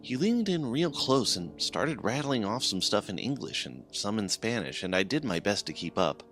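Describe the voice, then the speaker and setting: A man's voice: lowish voice, very animated, normal speed, fairly bright tone, soft background music. A man narrating a scripted horror story in a dramatic way, swelling and dropping his voice for suspense.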